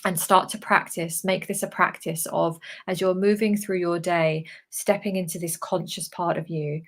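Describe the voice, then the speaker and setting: A woman speaking as a spiritual medium in a live channeling session, relaying guidance in a halting, emphatic way with repeated phrases. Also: fairly low pitch, fairly even intonation. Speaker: spiritual channeler relaying messages from guides to viewers.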